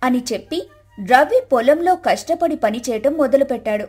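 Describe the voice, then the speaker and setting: A woman's voice: sits high, animated, normal speed, a little mellow, husky, soft background music. A woman reading scripted narration of a moral story as the storyteller.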